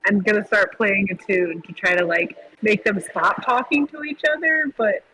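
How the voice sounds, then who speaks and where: A woman playing a tabletop game, chatting casually and excitedly. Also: mid-range voice, normal speed, rough recording. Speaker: player.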